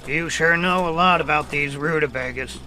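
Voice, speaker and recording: A man's voice: on the high side, normal speed, bright, forceful tone, faint music behind, low-quality recording. A man playing a folksy, word-muddling country man who is secretly a beast, in an audio drama with a Southern American accent. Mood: puzzled, skeptical. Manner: folksy, drawling, muddles words. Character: folksy rural Louisiana man, secretly a man-eating werewolf.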